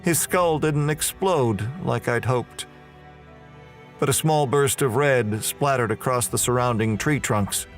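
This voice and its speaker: An actor playing a tormented, damned murderer, delivering a brooding first-person horror audio drama monologue. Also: male voice, mid-range voice, unhurried, close to an everyday voice. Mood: cold, brooding. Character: damned male murderer prisoner, tormented, confessing in hell. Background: music.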